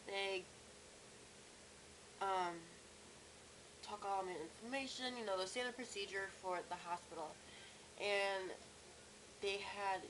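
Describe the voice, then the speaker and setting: A woman's voice: medium pitch, a bit bright. Young woman with a cracky, strained voice, noisy recording. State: strained sore throat. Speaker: vlogger. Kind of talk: casual personal video diary to camera. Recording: clear background noise, room ambience.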